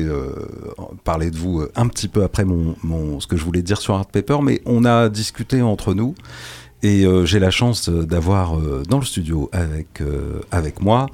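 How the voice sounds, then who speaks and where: A man with a very low voice presents a jazz radio programme from a studio. He talks haltingly, full of little fillers and restarted phrases. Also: darkish tone. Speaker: radio jazz show host.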